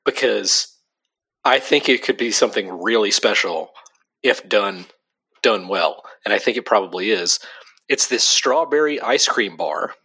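A man's voice: fairly low pitch, animated, a little slow, pushed and bright, breathy edge. A young adult man co-hosting a casual podcast chat, talking loosely with lots of fillers and easy laughs. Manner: chatty, laughs easily, frequent "like" fillers. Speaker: podcast co-host.

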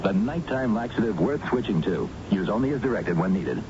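A man's voice: fairly low pitch, lively intonation, brisk. A man reading a scripted radio testimonial advertisement as a spokesman. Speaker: commercial spokesman. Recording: muffled, noisy old radio commercial.

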